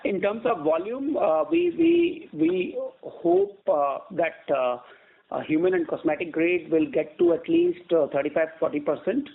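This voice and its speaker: On a narrow, tinny phone line, a male company executive fields questions during an earnings call. His gravelly, expressive voice is a little high for a man, and his measured explanations are halting, with repeated words.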